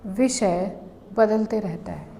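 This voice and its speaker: Slow-paced woman guiding a meditation. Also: mid-range voice, slight background noise. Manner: calm, instructional, in short phrases with long pauses. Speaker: yoga and meditation instructor. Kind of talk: guided meditation.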